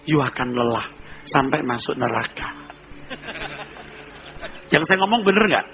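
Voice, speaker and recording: A male pastor preaching a humorous sermon, telling lively stories and acting out little scenes. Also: mid-range voice, a little slow, vocal fry, rough recording.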